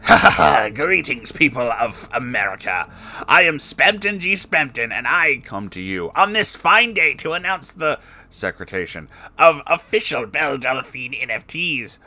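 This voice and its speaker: A man's voice: mid-range voice, sing-song, moderate pace, pushed and bright, faint music behind, pitched above the performer's own voice, full character voice. A man voicing a short, evil, greedy salesman villain who announces like a boastful showman in a comic story. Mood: gloating.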